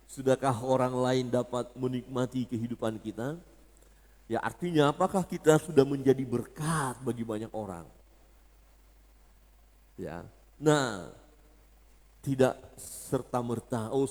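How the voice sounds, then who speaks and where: Joking preacher in a reverberant church. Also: male voice, mid-range voice, a little mellow. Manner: joking with the congregation, rising to emphatic peaks. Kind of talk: sermon.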